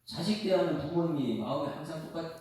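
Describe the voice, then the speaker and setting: A man's voice: fairly high pitch, fast, a little mellow. A male pastor preaching an expository sermon at a dawn prayer service, asking the congregation questions as he goes. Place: church sanctuary. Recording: echoey room, mic far off.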